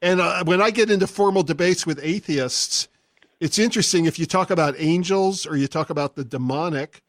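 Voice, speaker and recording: A man's voice: on the high side, brisk, dry recording, studio quality. A man hosting a radio talk show, laughing easily and explaining his points at length. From California. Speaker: radio host.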